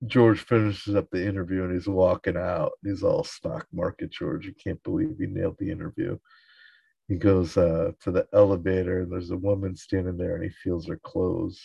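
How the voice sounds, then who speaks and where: A man's voice: low voice, creaky, dark tone, breathy edge, no room sound, highs cut off. A man casually recapping a sitcom episode in a loose, chuckling way with lots of fillers.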